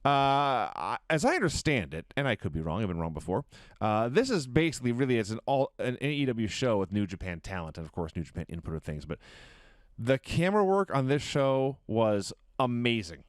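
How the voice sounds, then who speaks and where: A man with a smooth, resonant voice and a middle pitch recounts a wrestling match in vivid detail. He builds the story with animated storytelling, casual swearing and little laughs. The sound is dry and close. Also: fairly quick, no room sound. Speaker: podcast co-host. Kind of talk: casual wrestling recap chat.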